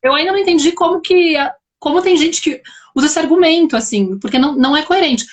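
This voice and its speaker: High-voiced Brazilian woman hosting a live. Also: fast. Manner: thoughtful, explanatory. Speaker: host. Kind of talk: casual live chat.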